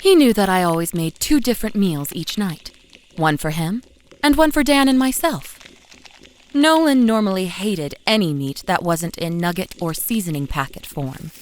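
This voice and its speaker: Young mom narrator, played by an actress: medium pitch, fond yet anxious, conversational, expressive audio drama storytelling. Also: female voice, a little hiss or hum, close to an everyday voice. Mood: fond, patient. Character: loving, anxious young mother narrating her memories. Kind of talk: first-person scripted audio drama narration. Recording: faint music behind narration.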